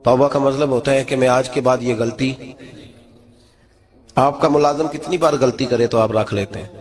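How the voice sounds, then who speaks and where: A middle-aged man delivers a sermon to his listeners. His voice keeps climbing to high, emphatic peaks. He sits at a middle pitch for a man. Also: fairly even intonation, normal speed. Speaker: preacher.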